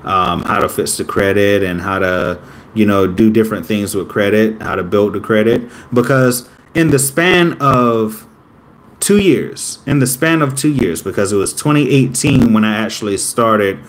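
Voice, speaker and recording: A man's voice: on the low side, moderate pace, a little hiss or hum. A man in his late twenties, talking casually to camera in a rambling way that often corrects itself. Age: 20s. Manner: rambling, self-correcting, upbeat about himself. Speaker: vlogger.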